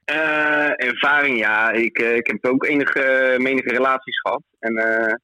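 A man's voice: medium pitch, fairly even intonation, normal speed, bright, forceful tone, dry recording, low-quality recording. A man in his thirties from the Netherlands, calling in to a radio show on the line, talking hesitantly with many filler sounds. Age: 30s. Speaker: caller.

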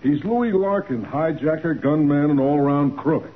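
An actor playing a gruff, businesslike police officer giving a report in 1940s radio style. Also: male voice, on the high side, normal speed, natural voice. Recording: muffled, hissy 1940s radio recording.

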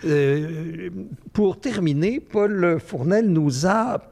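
A man's voice: high voice, expressive, extremely slow, creaky, darkish tone. A man hosting a live literary event, explaining with hesitations and restarts. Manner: hesitant, many fillers and restarts. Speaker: event host.

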